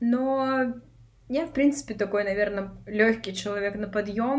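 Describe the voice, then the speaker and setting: Her unremarkable speaking voice, fairly high in pitch for a woman, moves at a fairly slow pace with fairly even intonation. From Russia, Novosibirsk. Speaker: purchasing specialist for goods from China. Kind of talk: casual interview.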